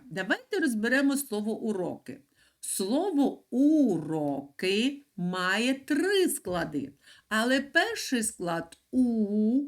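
A middle-aged woman teaching a lesson to young children, drawing out stressed syllables in a sing-song teaching voice. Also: medium pitch. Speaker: primary school teacher.

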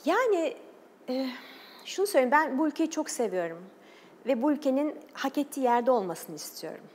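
A woman's voice: sits high, lively intonation, brisk, darkish tone, in a large hall, slight background noise. A woman, a journalist and documentary maker, speaking earnestly as a TV interview guest, with fillers and short laughs. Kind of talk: TV interview talk.

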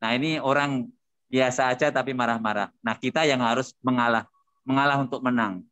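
An older man speaking at a seminar over a video call, casual talk with lively storytelling. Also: medium pitch, a little fast, clean tone, no echo. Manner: lively storytelling with acted quotes.

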